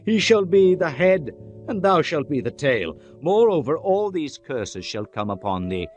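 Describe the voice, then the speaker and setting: A man giving a dramatized audio Bible reading in a solemn, declamatory manner with deliberate phrasing. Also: fairly high pitch, sing-song. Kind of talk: dramatized King James scripture reading. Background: music bed.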